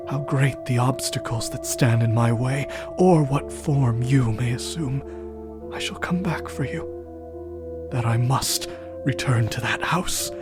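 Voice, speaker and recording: A solemn, tormented dead man, acted by a man, speaking very slowly in a grave, breathy audio-drama delivery. Loud music plays beneath his archaic, dramatic words. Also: medium pitch, lightly acted. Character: anguished dead man, solemn, weary, vowing to return.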